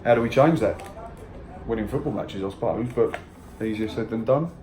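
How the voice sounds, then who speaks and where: A man hosting a casual football podcast, chatty and teasing, with quick asides. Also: on the low side, background noise. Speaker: podcast host. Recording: echoey room.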